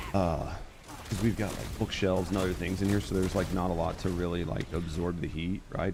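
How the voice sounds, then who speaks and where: A man talks at a fairly quick pace in a very deep, low voice. Audible room echo surrounds him. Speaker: video game streamer. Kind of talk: live gameplay stream chat. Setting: home office with three PCs. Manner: loud; casual, filler-heavy.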